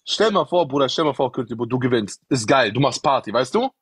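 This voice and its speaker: A man's voice: mid-range voice, lively intonation, fairly quick, husky. A man, casually questioning in street slang and insistently repeating himself. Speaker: questioner on a livestream.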